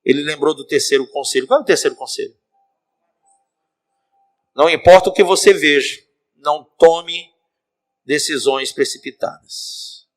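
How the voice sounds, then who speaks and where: Animated preacher telling a sermon story. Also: male voice, fairly high pitch, moderate pace, long pauses. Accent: Cearense Brazilian Portuguese. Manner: animated, addresses the congregation directly. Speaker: bishop, preacher. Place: church.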